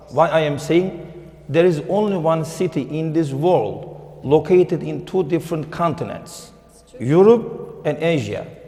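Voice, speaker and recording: Amid noticeable background noise, a man with a Turkish accent speaks fairly slowly in a fairly high pitch with ordinary pitch variation. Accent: Turkish-accented non-native English. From Turkey, Istanbul. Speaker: librarian and local official. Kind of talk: public forum talk. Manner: animated; halting.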